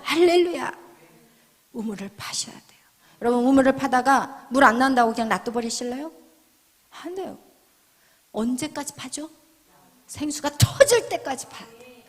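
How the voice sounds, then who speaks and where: A woman pastor giving a dramatic sermon, acting out little scenes and swinging between shouts and soft whispers. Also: high voice. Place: church sanctuary. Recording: church hall reverb.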